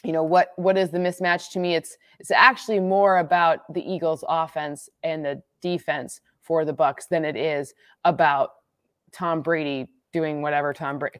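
A woman from the Midwest talking through football analytics in casual chat, quick and full of restarts. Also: sits low, steady tone, no echo, clean studio sound. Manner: quick, restarts sentences, laughs at own jokes.

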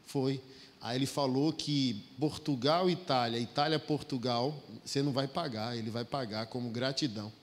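Emphatic Brazilian pastor in a reverberant hall. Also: male voice, mid-range voice, fairly even intonation, normal speed. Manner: folksy, emphatic preaching with acted-out dialogue. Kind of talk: sermon.

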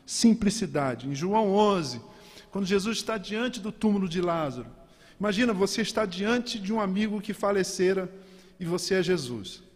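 Guy preaching in a big echoey church, fairly high voice, really animated, asks the crowd questions. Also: normal speed. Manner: animated, rhetorical questions to the congregation. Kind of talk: sermon.

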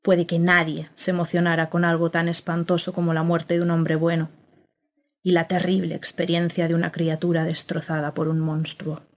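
A woman narrating a radio drama in the first person as a journalist, in a reflective, quietly bitter way. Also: lowish voice, monotone, moderate pace, lightly acted.

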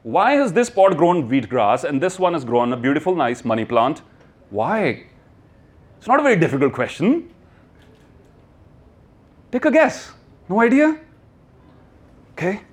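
A man's voice: a little high, very animated, measured pace, long pauses. A man with a North Indian accent giving an emphatic motivational talk to a live audience, prompting listeners with questions and repetition. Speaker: motivational speaker.

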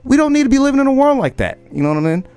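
A man in his late twenties, talking loudly and emphatically on a podcast and often asking "you know what I mean?". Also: extremely high pitch, big pitch swings, racing, clean tone, faint music behind. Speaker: podcast host. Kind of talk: casual conversation.

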